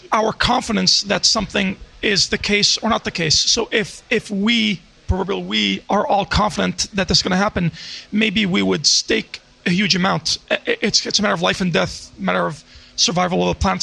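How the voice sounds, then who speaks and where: A man in a roundtable discussion, talking in a halting way with many restarts. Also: high-pitched, fairly even intonation, gravelly, sharp tone, husky, poor audio. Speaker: roundtable participant.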